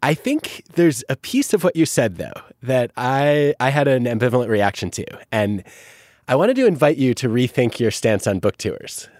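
In an interview conversation, a podcast host asks his guest questions with great enthusiasm and warm compliments. His medium-pitched voice is very animated at a moderate pace, recorded in a clean studio without echo.

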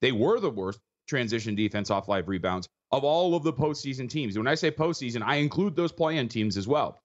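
A tired man with a husky voice, a betting analyst breaking down games quickly, rattling off stats with frequent restarts. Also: medium pitch, animated, highs cut off. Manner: fast, stat-heavy, with frequent restarts. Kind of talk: rapid sports betting analysis.

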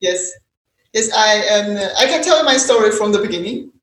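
A woman's voice: mid-range voice, lively intonation, normal speed, fairly bright tone. Chinese-accented woman in an echoey room. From China. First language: Mandarin Chinese. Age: 30s. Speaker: podcast guest. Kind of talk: conversational personal storytelling. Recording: echoey, roomy sound.

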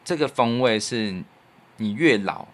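A man's voice: medium pitch, animated, a little slow. A man with a Taiwanese Mandarin accent, co-hosting a podcast in a casual, reflective chat. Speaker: podcast co-host and radio producer.

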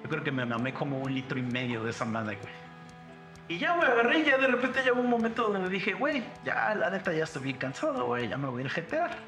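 A man's voice: fairly high pitch, animated, fast talker, pushed and bright. A young Mexican man with a Mexican Spanish accent, hosting a podcast and telling crude, slang-heavy stories while acting out the quotes. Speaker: podcast host. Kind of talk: casual chat. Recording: roomy room with music behind.

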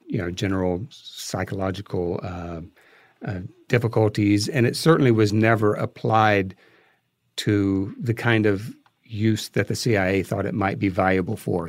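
A man's voice: lowish voice, a little mellow, no room sound. A man giving a conversational explanation as an interview guest, choosing his words hesitantly and thoughtfully. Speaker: interview guest, filmmaker and podcast creator.

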